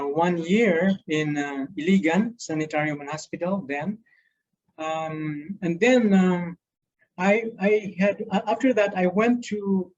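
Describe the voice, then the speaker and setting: Middle-aged filipino guy on a video call, higher voice, lots of uhs and restarts, dull muffled audio. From Philippines. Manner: halting, many fillers and restarts. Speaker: guest speaker, doctor. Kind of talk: testimony talk on a video call.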